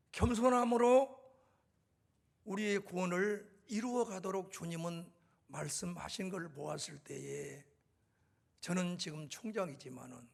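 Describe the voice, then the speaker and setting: An older man preaching a sermon in a church, telling stories and rising to loud, emphatic climaxes. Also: high voice, creaky. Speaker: guest preacher, university president. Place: church sanctuary.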